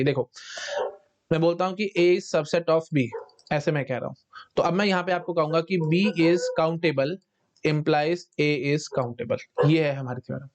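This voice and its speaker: A man teaching a recorded math lecture in mixed Hindi and English. He keeps checking in with his students and dictates definitions slowly, word by word. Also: on the high side, a little mellow. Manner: repetitive, checks in with "है ना?" and "ठीक है". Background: dogs barking outside.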